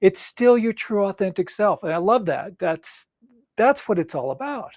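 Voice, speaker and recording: A man's voice: sits high, big pitch swings, normal speed, darkish tone. A man hosts a coaching podcast and affirms his guest's points with enthusiasm. His voice is recorded dry, with no room echo. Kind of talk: conversational podcast interview.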